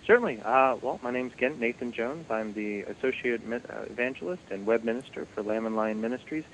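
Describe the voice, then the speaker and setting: A man's voice: medium pitch, fairly quick, a bit bright, slight background noise, low-quality recording. A man, a guest on a Christian radio show, talking in a friendly way and laughing easily. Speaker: ministry guest. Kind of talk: radio interview conversation.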